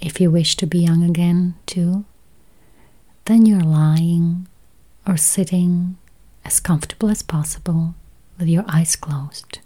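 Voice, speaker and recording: A woman leads a guided meditation in a soft, whispery voice, gently speaking in short, spaced phrases. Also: lowish voice, steady tone, slow pace. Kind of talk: guided meditation, counting and affirmations.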